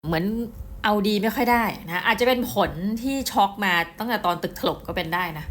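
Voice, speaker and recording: A middle-aged woman giving a casual book review, chatty and excitable, often speaking straight to her viewers. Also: mid-range voice, a little fast, slight background noise. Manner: chatty, addresses viewers directly, excitable storytelling.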